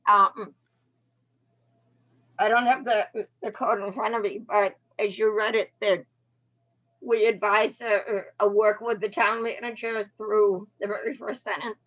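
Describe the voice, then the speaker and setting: Woman, Boston-area accent, allergy-strained voice, very slow, hesitant, dull video call audio. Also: medium pitch, steady tone. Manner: hesitant, restarts often. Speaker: meeting chair. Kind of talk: chairing a town meeting.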